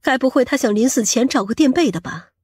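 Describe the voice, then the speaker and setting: A woman playing a fierce, protective mother of a grown son, emphatic and sharp-tongued, in a dramatic audiobook. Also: high voice, fast, husky, no room sound, clean studio sound. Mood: wary, commanding.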